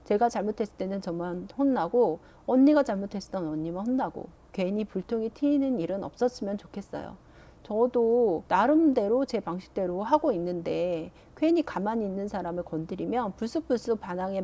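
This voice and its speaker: A woman voicing a resentful teenage girl who is annoyed at being scolded alongside her sister, speaking in a slow, aggrieved complaining way. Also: mid-range voice, animated, mellow, lo-fi sound, close to an everyday voice.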